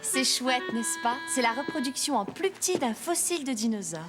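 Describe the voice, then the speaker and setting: A kindly, polite librarian in a children's cartoon. Her voice sits a little high, with music clearly playing behind it. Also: animated, moderate pace. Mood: kindly interest. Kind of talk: French children's cartoon dialogue.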